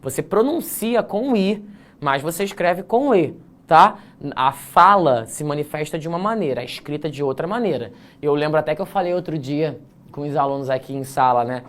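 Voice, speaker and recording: A man teaching an online essay-writing class, joking at his own slips, drawing words out slowly to show how they are pronounced, and checking in with the class often. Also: on the high side, lively intonation, fairly bright tone. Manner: playful, self-mocking, frequent "tá?" check-ins; stretches words slowly to demonstrate pronunciation.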